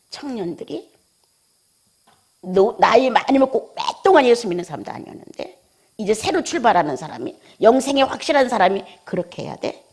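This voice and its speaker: Woman pastor, sermon; breathy voice, lively pitch, lurches from loud emphasis to near-whispers, scolds with rhetorical questions. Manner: swings between emphatic exclamations and hushed near-whispers.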